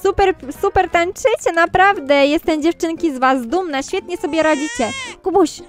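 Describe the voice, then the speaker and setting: A woman's voice: very high-pitched, normal speed, faint music behind. A woman playing a harried mother in a Roblox role-play, chatting to viewers as she fusses over a crying baby. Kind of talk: game role-play narration.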